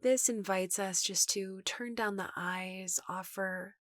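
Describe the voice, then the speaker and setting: A woman meditation teacher giving guided meditation instruction in a gentle, reassuring, unhurried manner. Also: mid-range voice, fairly even intonation, no room sound, clean studio sound.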